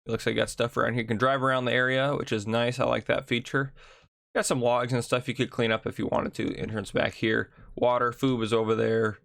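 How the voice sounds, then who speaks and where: A man hosting a casual video game map tour, chatty and thinking aloud, his voice gravelly from just waking up. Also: medium pitch, level tone, fairly bright tone, dry recording, studio quality. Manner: chatty, thinks aloud with ums and quick asides. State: gravelly morning voice. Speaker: gaming channel host.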